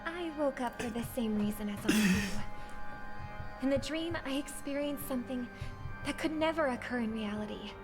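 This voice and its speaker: An actress playing a gentle, sincere singer with a strong will in a video game. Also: female voice, on the high side, moderate pace, over music, lightly acted. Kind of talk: scripted game dialogue.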